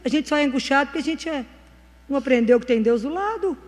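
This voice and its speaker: A woman's voice: sits high, lively intonation, fast talker. A woman giving a conversational testimony sermon, telling stories and speaking earnestly about faith. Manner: storytelling, acting out dialogue. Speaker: Christian speaker. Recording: long hall reverb.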